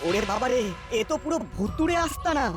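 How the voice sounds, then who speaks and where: A jeering, jumpy young gang troublemaker from a cartoon. The voice is very high and exclamatory. Faint music sits behind it. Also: female voice, animated, fast talker. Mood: alarmed.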